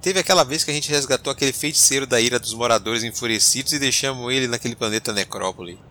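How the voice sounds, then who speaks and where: Man playing a bright-voiced excitable starship captain. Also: medium pitch, quick pace, natural voice. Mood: storytelling. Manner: animated, colloquial. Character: excitable, hapless male starship captain telling his adventures. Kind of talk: audio drama storytelling.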